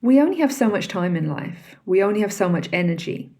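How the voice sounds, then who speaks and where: This podcast host talks fairly quickly in a mellow, mid-range voice with big pitch swings. Alone on the mic, she reflects conversationally and poses questions to whoever is listening.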